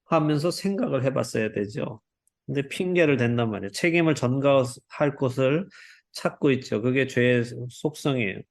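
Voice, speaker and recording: A man teaching a Bible study over a video call, in a voice of ordinary pitch. He keeps asking the group questions and acts out quoted speech as he reads. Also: normal speed, gravelly.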